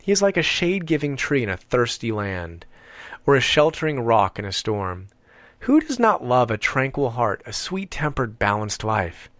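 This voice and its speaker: Guy reading an audiobook, mid pitch, deliberate phrasing w/ emphatic pauses, dry close recording. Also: big pitch swings, a bit bright, no echo. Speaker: audiobook narrator. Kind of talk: scripted audiobook narration.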